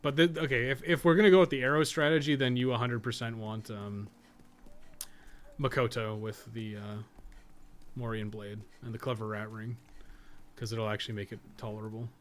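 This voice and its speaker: This man speaks at a normal speed in a steady, mid-range voice while commentating a live game stream. His talk is casual and rambling as he thinks aloud during play, full of blunt, frequent profanity. Noticeable background noise comes through.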